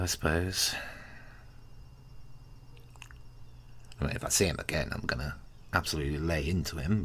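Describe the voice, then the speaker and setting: A man playing a laid-back, kind, teasing male friend in an ASMR roleplay, chatting casually and haltingly to the listener. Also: a bass voice. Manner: hesitant, halting, colloquial, with sighs and soft chuckles.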